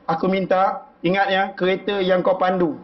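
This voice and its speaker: A man with a Malaysian accent, a preacher telling a moving story in an animated, emotional sermon. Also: sits high, normal speed. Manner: animated, voice rising with feeling. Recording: dull lo-fi sound.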